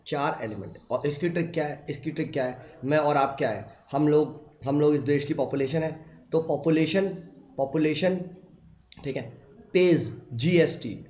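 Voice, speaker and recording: A male teacher giving an online exam-prep lecture, mixing English phrases into Hindi, asking rhetorical questions and repeating phrases, then dropping low and quiet for the answers. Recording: echoey, dull lo-fi room recording.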